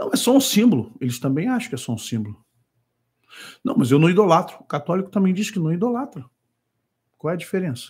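Over a quiet background, a man with a high pitch talks at a very fast pace with long, frequent pauses and very wide pitch swings. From Brazil. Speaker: preacher. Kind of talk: sermon. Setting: online livestream. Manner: animated; rhetorical, pointed. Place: home room. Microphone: studio mic.

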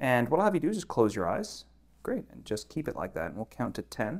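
A man speaks with vocal fry. His pace is moderate. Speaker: doctor demonstrating exam. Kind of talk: tutorial. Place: home room.

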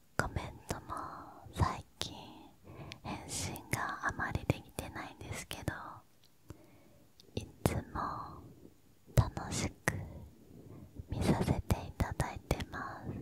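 A woman whispers at a very slow pace, her loudness swinging widely, with long, frequent pauses. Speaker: ASMR creator; esthetician. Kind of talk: casual whispered chat to viewers. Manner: whispered. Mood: warm, grateful. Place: home room. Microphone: studio mic.

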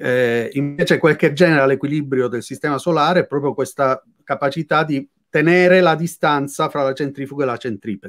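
Against a quiet background, a man speaks at a fairly quick pace. His pitch variation is ordinary. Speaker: business professor. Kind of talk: interview. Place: home room. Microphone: video call.

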